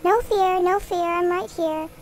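Woman as Black Beauty, high-voiced protective horse. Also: steady tone, unhurried, darkish tone, a little hiss or hum. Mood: reassuring, urgent.

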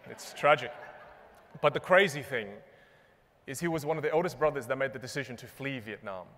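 A young man giving a comedic keynote on a large conference stage, animated and self-mocking, landing punchline after punchline. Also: mid-range voice, a little fast, slight background noise. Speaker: keynote speaker and magician. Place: large conference stage before a live audience. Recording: long reverb of a big hall.

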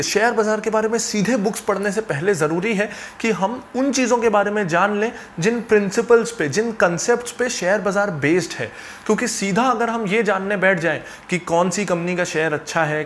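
A man's voice: high voice, a little hiss or hum. A young man hosting a finance channel, explaining steadily and earnestly to camera from a small home office on a lapel mic. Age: young adult. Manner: earnest, steady, gestures with hands while explaining. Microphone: clip-on lapel mic.

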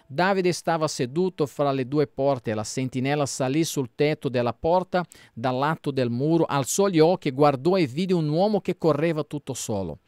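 A man, a pastor, reading scripture aloud in a steady, measured way. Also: fairly high pitch, smooth, no echo, clean studio sound. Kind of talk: Bible reading.

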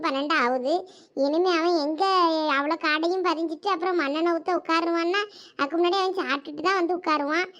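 A woman's voice: high-pitched, a bit bright. A woman with a Thoothukudi Tamil accent performing a village comedy skit, complaining and gossiping.

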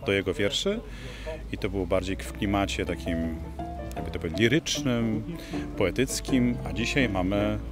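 Calm male musician, lowish voice, music clearly audible behind. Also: normal speed. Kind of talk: casual interview. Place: outdoor park.

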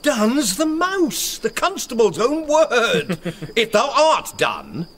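A man's voice: very high-pitched, huge pitch swings, slow, fairly bright tone, heavily acted. An actor with a British accent playing a witty, mercurial young nobleman in a Shakespearean radio drama, theatrical and teasing, swinging between gleeful and brooding. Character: mercurial, witty young nobleman spinning fantastical bawdy tales.

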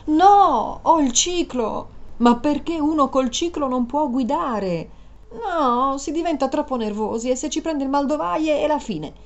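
A woman's voice: sits high, expressive, unhurried, pitched above the performer's own voice. A woman reader voicing a whimsical, childish young woman, wheedling and singsong in a dramatized story reading. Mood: insistent.

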